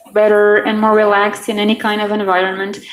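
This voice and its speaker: This woman's voice is accompanied by audible room echo, with noticeable background noise also present. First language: French or Spanish. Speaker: community speaker on spirituality. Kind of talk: talk to a small audience. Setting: in front of an audience. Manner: halting, with repetitions.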